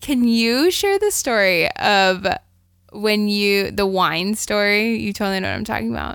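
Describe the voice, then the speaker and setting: With a plain, everyday voice, a woman speaks at medium pitch. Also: moderate pace. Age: 20s. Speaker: podcast host. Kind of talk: casual chat. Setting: studio.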